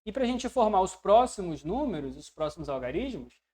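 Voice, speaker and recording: A man with a Brazilian Portuguese accent teaching English, who explains patiently, checks in with the learner and drills words slowly. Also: high-pitched, very animated, warm tone. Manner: voices learners' questions to himself. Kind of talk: online language lesson.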